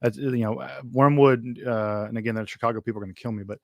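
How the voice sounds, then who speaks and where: A man's voice: mid-range voice, steady tone, quick pace, creaky, no echo, studio quality. A man hosting a casual livestream Q&A, answering viewer questions in a rambling way with many ums, restarts and wry asides.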